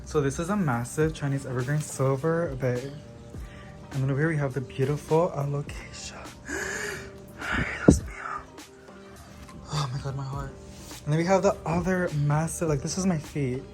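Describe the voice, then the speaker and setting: Young man, bubbly sorority-girl gushing, higher-pitched voice, casual vlog chat, noticeable background music. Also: steady tone, fairly quick. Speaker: host of a plant haul vlog. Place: at home, indoors.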